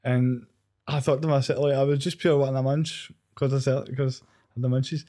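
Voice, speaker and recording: A man's voice: mid-range voice, little pitch movement, fairly quick, dark tone. A man with a Glasgow Scottish accent chatting casually in an informal, slangy way. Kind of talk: casual chat.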